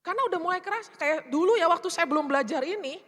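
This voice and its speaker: A woman's voice: extremely high pitch, animated, racing, fairly bright tone. A middle-aged woman speaker and counselor giving a casual, chatty sermon, often asking the congregation questions. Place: church hall. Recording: reverberant church hall.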